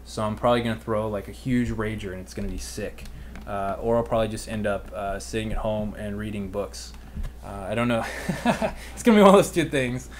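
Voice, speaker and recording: A man's voice: on the low side, a little fast, slight background noise. A man in his twenties with an American accent, chatting casually and informally as he answers viewer questions as a livestream host. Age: 20s. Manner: informal, youthful slangy phrasing. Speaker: online business livestream host and mentor.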